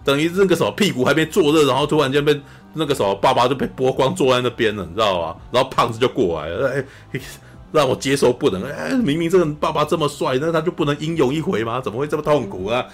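A man talks about a film on a podcast in a casual, lively way, acting out scenes and often saying "you know". His voice is husky and sits at a medium pitch. Faint music plays behind him. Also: quick pace. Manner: animated, acts out scenes, says "you know" a lot. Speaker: podcast co-host. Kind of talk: casual film review chat.

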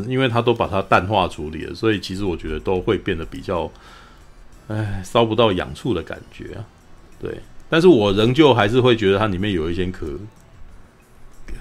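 A man, chatting casually as a podcast co-host, rambling and laughing with mild swearing. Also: fairly low pitch. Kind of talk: casual movie review chat.

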